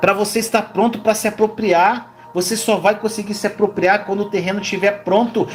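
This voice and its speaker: A man's high-pitched voice comes through with music playing behind it. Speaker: preacher. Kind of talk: sermon. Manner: fast; animated.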